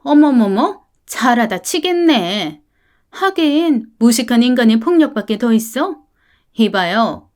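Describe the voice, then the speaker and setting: A woman's voice: a little high, animated, unhurried, a little mellow. A woman voicing a wealthy, arrogant mother who talks down to others with contempt. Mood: sneering. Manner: sneering, haughty.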